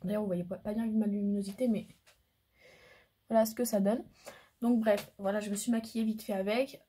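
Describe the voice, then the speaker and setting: A woman's voice: mid-range voice, warm tone, husky. A woman chatting casually in a makeup vlog at home, rambling with lots of fillers as she swatches products. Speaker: beauty vlogger. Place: home room by a window. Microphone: camera mic.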